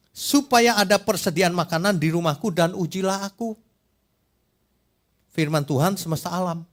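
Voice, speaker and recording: A middle-aged man from Indonesia preaching a sermon as pastor, animated and teasing, firing rhetorical questions at the congregation and acting out quoted voices. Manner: acts out quoted voices in a higher pitch.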